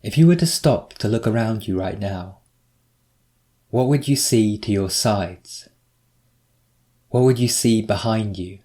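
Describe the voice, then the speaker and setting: A man narrating a scripted guided meditation, giving measured, instructive prompts with pauses between them. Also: on the low side, dark tone.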